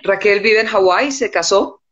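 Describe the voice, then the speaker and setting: A woman, answering calmly as a guest on a live video chat from home. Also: medium pitch, normal speed, dull audio, a crowd in the background. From born in the United States, raised in Colombia. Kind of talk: casual live-stream chat. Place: indoor room at home.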